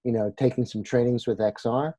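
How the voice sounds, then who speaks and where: An older man, a retired teacher, introducing himself calmly and matter-of-factly. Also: medium pitch, brisk, no echo. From United States.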